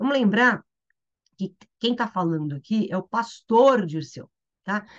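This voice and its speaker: A woman's voice with very wide pitch swings. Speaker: literature teacher. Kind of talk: lecture with reading aloud. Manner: animated.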